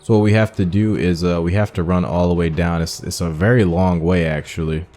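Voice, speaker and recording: A man's voice: deep voice, fairly even intonation, fairly quick, dark tone, faint music behind. A man giving casual let's-play commentary on a video game, musing aloud as he talks through each step. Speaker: gaming streamer playing through a video game.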